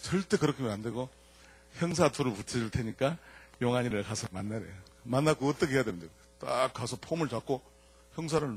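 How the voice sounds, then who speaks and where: An older man, a church elder telling a lively testimony to an audience, swinging between loud punchlines and quiet asides. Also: mid-range voice, slightly rough. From Jeolla, South Korea.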